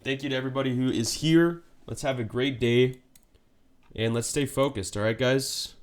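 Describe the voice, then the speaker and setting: A man's voice: medium pitch, moderate pace. A man with a cold and a congested voice, giving live market commentary on his stream and checking in with a frequent "right?". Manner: steady explanatory, frequent "right?" check-ins.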